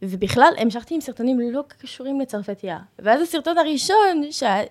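A woman's voice: high voice, expressive. A young woman with a French accent, chatting and telling stories casually as an interview guest. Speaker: content creator, interview guest. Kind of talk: casual conversational storytelling.

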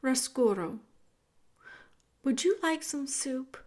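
Woman playing an earnest, gentle young princess. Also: sits high, lively intonation, slow, pitched above the performer's own voice.

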